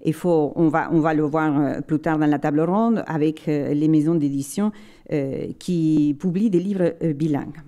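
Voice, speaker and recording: At a library conference, a woman delivers an academic lecture in a measured, explanatory manner, often pausing to search for words. Her voice is deep and dark in tone.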